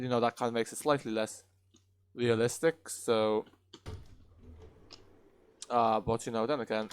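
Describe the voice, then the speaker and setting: A man reviewing a game in unscripted commentary over gameplay, explaining in a measured, hesitant way. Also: mid-range voice, clean tone.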